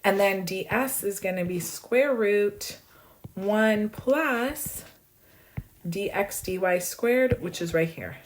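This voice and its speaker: A woman math professor losing her voice, hoarse but brisk and bubbly as she rushes through exam solutions with playful asides. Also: mid-range voice, expressive, a little hiss or hum, poor audio. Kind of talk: fast exam walkthrough.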